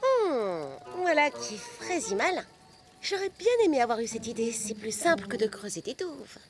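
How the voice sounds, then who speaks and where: A woman voicing an excitable, chatty little girl in a children's cartoon dub, expressive and full of exclamations. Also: a little high, moderate pace, music in the background. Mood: amused.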